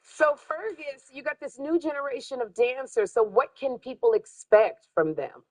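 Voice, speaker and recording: A woman's voice: sits high, normal speed, poor audio. A woman hosting a TV show segment, bubbly and playful, exclaiming as she chats with guests in a studio. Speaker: TV morning show host. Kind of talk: lively TV segment chat.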